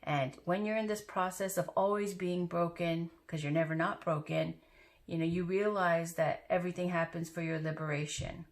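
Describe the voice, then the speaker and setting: A woman's voice: fairly low pitch, steady tone, normal speed. A woman giving a casual, chatty tarot reading to her viewers, with loose asides and fillers. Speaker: tarot reader.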